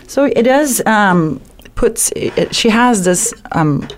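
A woman's voice: medium pitch, lively intonation, slow. A woman from Brazil with a Brazilian Portuguese accent, a guest on a radio show, telling her story casually with many fillers and restarts.

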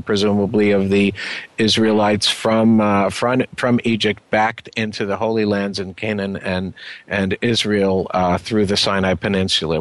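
A man's voice: fairly low pitch, no echo. A man hosting a radio interview, asking long questions with restarts. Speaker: radio host.

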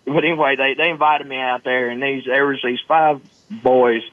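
A man's voice: medium pitch, fairly even intonation, normal speed, no echo. A man from Arkansas with a Southern US accent, telling personal stories as an interview guest in a folksy, earnest manner. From Arkansas, United States. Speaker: guest, motivational storyteller. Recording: muffled phone-like line, dry.

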